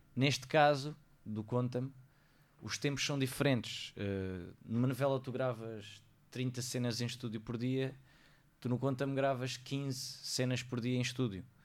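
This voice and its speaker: A man speaks with an ordinary speaking voice at medium pitch. His intonation is fairly even and his pace fairly slow. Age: 30s. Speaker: actor. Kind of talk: casual chat.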